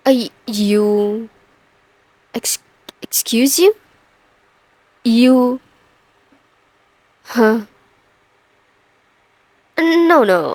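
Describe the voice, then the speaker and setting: A woman playing a stern, overworked chief executive in an ASMR roleplay, measured and commanding with dry sarcasm. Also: medium pitch, dry recording. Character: stern, overworked female CEO, pent-up and dryly menacing. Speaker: audio roleplay voice performer.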